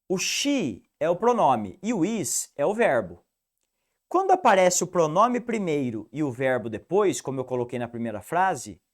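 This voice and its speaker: Brief: upbeat male teacher, Piracicaba rolled-R accent, lively pitch, slightly high voice, drills rules. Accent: Piracicaba interior São Paulo, rolled R. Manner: animated, didactic, repeats rules for the student. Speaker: English teacher. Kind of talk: online video lesson.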